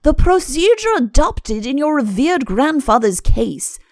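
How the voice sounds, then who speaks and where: A woman's voice: sits high, big pitch swings, unhurried, darkish tone, dry recording, studio quality, voice pushed up, full character voice. A woman voicing an obsequious, cautious, long-winded male chancellor in a comic audiobook, pleading and deferential. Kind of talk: audiobook comic character acting.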